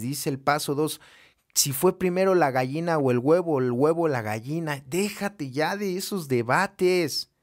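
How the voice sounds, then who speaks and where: A man giving a spiritual recovery talk, preaching and firing off rhetorical questions. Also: high voice. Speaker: AA speaker.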